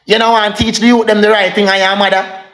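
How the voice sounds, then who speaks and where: A young man with a Jamaican accent rants angrily on a live stream, his high, slightly bright voice fast and flat in an echoey room. He keeps repeating himself and calling out to his viewers as people.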